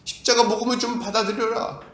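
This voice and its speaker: A male pastor with a high, somewhat bright voice preaches an emphatic sermon in a church, talking fast with fairly even intonation. He poses rhetorical questions to his congregation and acts out the voices of doubters and of God. The room sounds echoey.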